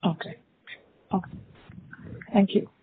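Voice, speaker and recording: A woman, an analyst asking soft-spoken, polite questions on an earnings call. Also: takes it slowly. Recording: phone-line conference call audio.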